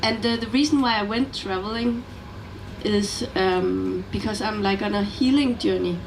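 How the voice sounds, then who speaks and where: A woman's voice: medium pitch, moderate pace, creaky. A young woman from Denmark in the audience, talking in a friendly, chatty way. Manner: friendly, chatty, with light laughs. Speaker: audience member asking a question. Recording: far from the mic, room noise.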